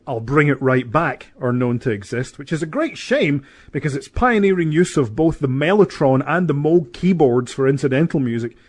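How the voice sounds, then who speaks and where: Deadpan man co-hosting a radio comedy. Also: fairly high pitch. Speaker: comedy show co-host. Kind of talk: scripted mock-serious radio introduction.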